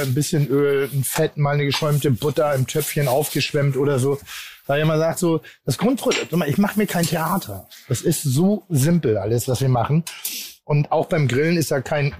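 A man chatting casually while cooking at a grill, brisk and teasing, listing ingredients as he goes. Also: fairly high pitch, darkish tone, a little hiss or hum. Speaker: cook at the grill, co-host.

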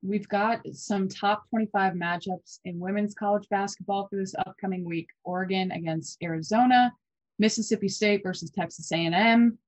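A woman in her twenties co-hosting a college basketball podcast, chatty and quick with fillers and restarts. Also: medium pitch, steady tone, no echo, poor audio. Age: 20s. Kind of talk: casual sports podcast chat.

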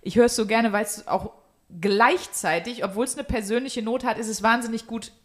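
A woman's voice: on the high side, steady tone, fairly quick. A woman hosting a podcast in casual, jokey chat, using slang and some English words, recorded at home. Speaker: podcast host.

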